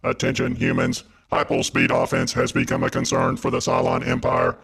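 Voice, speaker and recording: A man voicing a cold, menacing robot alien through a deep robotic voice filter, announcing in a stiff monotone and sputtering error messages. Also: normal speed, gravelly, husky, exaggerated voice.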